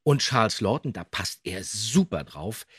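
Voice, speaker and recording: A man's voice: lowish voice, big pitch swings, unhurried, a bit bright, slightly rough, no room sound, clean studio sound. A man hosting a podcast, talking conversationally and emphatically about radio drama history. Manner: enthusiastic, emphatic. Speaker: podcast host and voice actor.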